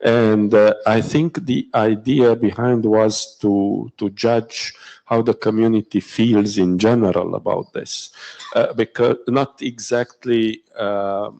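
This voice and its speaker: Slow, gravelly man moderating a session. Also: fairly low pitch, fairly even intonation, a little mellow, low-quality recording. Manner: hesitant, lots of pauses and fillers. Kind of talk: moderating a conference panel. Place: conference hall.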